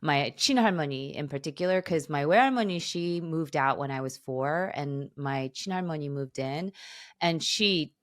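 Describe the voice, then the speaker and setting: A woman in her forties with a low voice and an American accent, who spoke Korean first. She talks casually and personally as an interview guest, chuckling often. The sound is dry, without room echo. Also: moderate pace. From suburbs of Chicago, United States. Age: 40s. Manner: chuckles often while talking. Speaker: podcast guest. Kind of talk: casual autobiographical interview talk.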